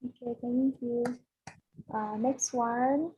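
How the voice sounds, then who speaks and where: A woman teaching an online English class, calling on students one by one in a patient, soft-spoken way. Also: a little high, fairly even intonation, takes it slowly, a little hiss or hum. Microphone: video call. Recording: dull lo-fi call audio.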